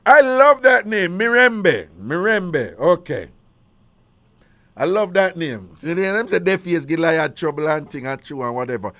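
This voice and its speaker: On a live call-in radio show, a host with a Jamaican accent playfully teases callers and repeats their answers back to them. He speaks at a measured pace in an expressive, bright and forceful voice on the high side.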